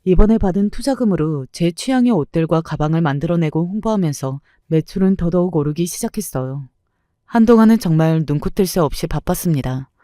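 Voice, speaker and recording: Calm mellow woman narrating a story. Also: on the low side, a little fast, no echo, clean studio sound. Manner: calm, reflective, confiding. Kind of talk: first-person story narration.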